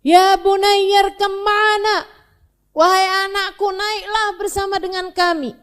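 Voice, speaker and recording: A woman's voice: very high-pitched, little pitch movement, slow pace, fairly bright tone, pitched above the performer's own voice, exaggerated voice. A woman voicing a pleading old prophet father. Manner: pleading, calling out tenderly.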